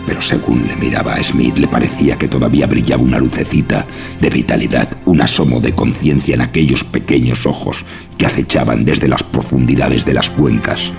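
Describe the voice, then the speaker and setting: A man's voice: a bass voice, steady tone, brisk. A man narrating a scripted horror story. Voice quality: gravelly. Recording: music behind the voice.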